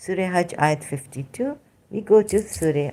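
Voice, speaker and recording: A woman speaks in a fairly low, dark and mellow voice with lively intonation. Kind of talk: casual religious commentary. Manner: halting.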